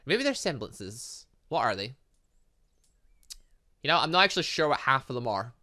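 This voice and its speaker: A man giving excitable, rambling commentary as he plays through a game, often thinking aloud. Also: mid-range voice, moderate pace. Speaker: gaming channel host.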